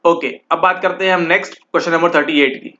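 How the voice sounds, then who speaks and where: A man's voice: on the high side, fairly even intonation, quick pace, sharp tone. A man teaching exam questions, mixing English into Hindi and constantly checking in with the listener as he explains. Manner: repeats "ठीक है" constantly, mixes English and Hindi. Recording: slightly dull lo-fi audio.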